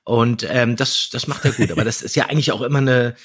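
Slightly husky man chatting on a podcast. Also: mid-range voice, fast, fairly bright tone. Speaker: podcast co-host. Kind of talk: casual review chat.

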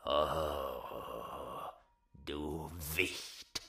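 A man voicing a huge, fearsome old man with a long white beard, speaking slowly and gruffly in a storybook reading. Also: very deep voice, fairly even intonation, pushed and bright, a little hiss or hum, voice pushed down, heavily acted. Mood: menacing. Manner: slow, menacing and gruff.

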